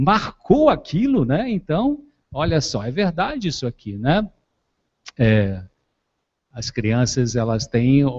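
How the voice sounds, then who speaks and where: A man speaks in a somewhat breathy voice. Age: 60s. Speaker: psychiatrist and lecturer. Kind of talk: lecture. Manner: conversational, informal.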